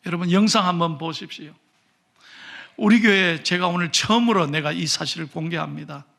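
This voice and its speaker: A man with a Gyeongsang accent preaching a sermon, telling stories animatedly and swinging from shouts to whispers. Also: on the high side, brisk, creaky. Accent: Gyeongsang Korean. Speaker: pastor.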